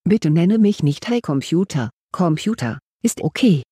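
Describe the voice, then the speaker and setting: A man voicing a computer that reads out formal legal text in a flat robotic monotone. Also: a little high, a little slow, slightly rough, no room sound, studio quality. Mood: prim. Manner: stiff, formal, reads out long legal wording.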